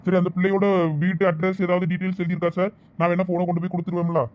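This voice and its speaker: A man's voice: high voice, monotone, a little mellow, lightly acted. A man with a Thoothukudi Tamil accent voicing a polite middle-aged father speaking to a police officer in a cartoon. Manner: polite, deferential, quick. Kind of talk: cartoon voice acting.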